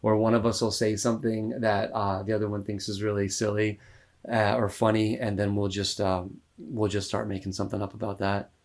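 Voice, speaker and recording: American man, thirties, lowish voice, easygoing rambling chat, lots of ums and laughs. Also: a little fast. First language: English. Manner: relaxed, rambling, laughs often, many fillers. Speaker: musician guest. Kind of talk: casual interview talk.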